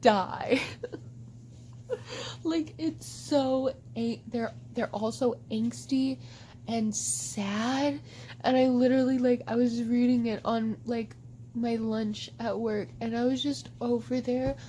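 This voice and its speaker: A woman book vlogger chatting casually to camera at home, animated and overdramatic, with lots of "like". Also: on the high side, takes it slowly, a little hiss or hum. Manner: animated and overdramatic, heavy use of "like". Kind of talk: casual vlog chat to camera.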